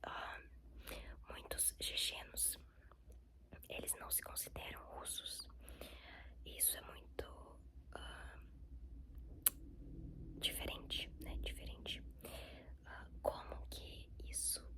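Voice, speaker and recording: A woman's voice: slow pace, pauses often. A young woman with a Brazilian accent, whispering a rambling ASMR chat to her viewers with many fillers. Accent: Brazilian Portuguese. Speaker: ASMR creator.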